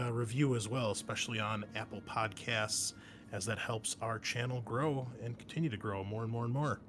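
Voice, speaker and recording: A man hosting a tabletop gaming podcast, chatting informally and enthusiastically with his players as game master. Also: medium pitch. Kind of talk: casual podcast intro and chat with players. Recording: noisy home podcast recording. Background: clear background noise and ambience.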